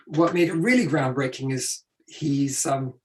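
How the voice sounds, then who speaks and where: A man illustrator telling stories on a panel, hoarse and losing his voice, speaking casually. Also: mid-range voice, measured pace.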